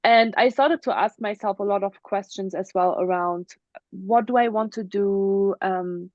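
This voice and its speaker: A woman's voice: mid-range voice, unhurried, a little mellow, dry recording. German-accented woman in her thirties, interview guest, earnest and open, muffled dry video-call sound. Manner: open, earnest, frequent ums. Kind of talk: casual interview, personal story. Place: home in the mountains.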